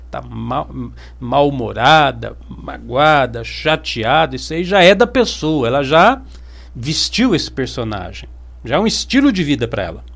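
A man's voice: a little high, gravelly. A man with a Brazilian Portuguese accent giving a motivational self-help talk, speaking emphatically and piling up repeated words as he addresses his audience directly.

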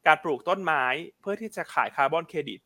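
Brisk bright-voiced male market host. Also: a little high, expressive. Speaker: stock market show host. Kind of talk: financial market commentary.

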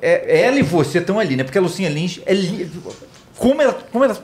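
A man's voice: high-pitched, very animated, fast, a crowd in the background. A man co-hosting a podcast, reading trivia aloud, gushing and fumbling his words. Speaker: podcast co-host. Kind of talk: casual chat, reading trivia.

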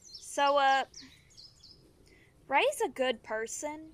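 A woman acting a guilt-ridden, blunt young runaway with powers in a naturalistic audio drama, talking in a halting, slangy, confessional way. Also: high voice, expressive, fairly bright tone, exaggerated voice. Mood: guilty confession. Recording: music behind the dialogue. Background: music.

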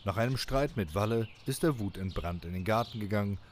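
Low-voiced man narrating an audio drama. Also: brisk, a little hiss or hum. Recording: music bed behind the voice.

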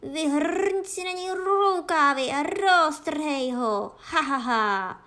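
Woman voicing an excitable, fierce guard dog, high-pitched. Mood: ferocious, shouting. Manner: barking out short repeated exclamations. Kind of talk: children's fairy tale reading.

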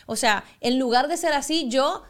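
A young woman sits for a casual interview and recounts her broadcasting days with animation. Her voice sits a little high, and she slips into the voices of the people she quotes. Her sentences restart often as she talks. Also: normal speed. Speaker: sports broadcaster, guest.

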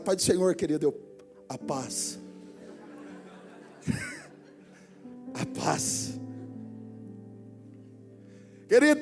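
A Brazilian man preaching as a pastor to his congregation, telling personal stories with hushed asides and loud exhortations. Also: sits high. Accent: Brazilian Portuguese. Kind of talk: sermon. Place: church hall before a congregation.

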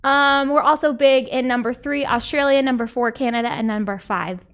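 A woman hosting a podcast, chatting casually and wryly reading out marketing news, with a somewhat squeaky voice. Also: moderate pace, highs cut off. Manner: chatty, wry, reads out news items. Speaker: podcast host.

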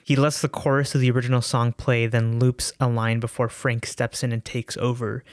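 Guy doing an album review, earnest and thoughtful, mid pitch, dry sound. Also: flat delivery, normal speed, dry recording. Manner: earnest, thoughtful, some restarts and stretched words. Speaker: music reviewer.

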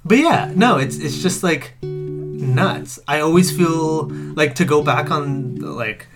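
A young man chatting casually and warmly about his family, rambling with lots of fillers. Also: a little high, expressive, slow. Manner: rambling, heartfelt, many fillers. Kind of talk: casual chat. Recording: music playing underneath.

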